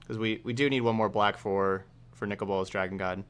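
Casting: male game streamer, thirties, slightly low register, quick casual commentary. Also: fairly even intonation, fairly bright tone, clear, resonant tone.

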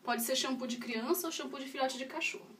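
A woman's voice: high voice, quick pace, fairly bright tone, far from the mic, a little hiss or hum. A woman, chatting casually in a home vlog and doting on her pet in baby talk while she bathes it. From Brazil. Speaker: pet owner vlogger. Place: indoors at home, bathing a pet.

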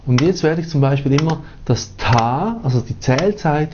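A man's voice: a little high, expressive, normal speed, noisy background. A man with a Swiss German accent teaching a piano lesson, counting rhythm syllables aloud as he plays. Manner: chants rhythm syllables while playing. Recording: slightly dull audio with piano and metronome. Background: piano playing.

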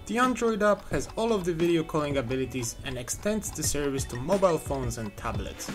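A man's voice: a little high, animated, fairly quick, music in the background. A young man narrating a scripted, upbeat walkthrough of phone apps as the channel's reviewer. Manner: upbeat, clear product walkthrough. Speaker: app reviewer.

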